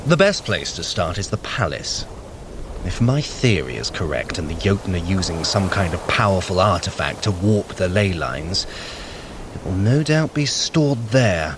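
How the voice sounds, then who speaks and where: A sly mocking trickster god, lowish voice that swoops around, steady noise behind. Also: male voice, moderate pace. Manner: wry, lively, commanding. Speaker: Loki. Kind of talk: audio drama acting.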